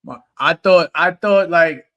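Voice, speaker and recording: Podcast co-host, man in his thirties, a little higher than most, lively storyteller who laughs a lot. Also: unhurried, dull audio. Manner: animated storyteller, laughs often. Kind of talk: casual chat.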